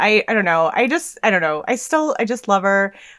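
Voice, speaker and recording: Here is a woman with medium pitch and lively intonation. Hers is a plain, everyday voice. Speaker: podcast host. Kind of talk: casual gossip chat.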